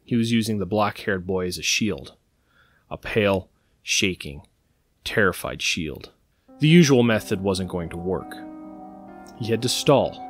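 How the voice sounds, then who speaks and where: A man's voice: sits low, expressive, a little slow, long pauses, no echo, faint music behind. A man narrating an audio drama in a dramatic, scripted storytelling style.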